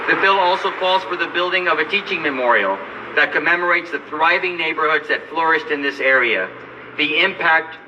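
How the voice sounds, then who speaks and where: A man from Los Angeles delivers a formal, measured speech with an earnest tone. His voice is bright and slightly high. He sits a bit far from the microphone, with faint background noise. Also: muffled recording. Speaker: lawyer and advocate. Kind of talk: formal speech at a press event. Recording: distant mic with light background noise.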